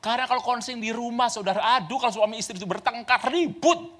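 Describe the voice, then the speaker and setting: A male pastor, preaching a lively sermon full of stories. He swings between loud exclamations and soft asides and laughs often. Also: extremely high pitch, quick pace, slight background noise. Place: church.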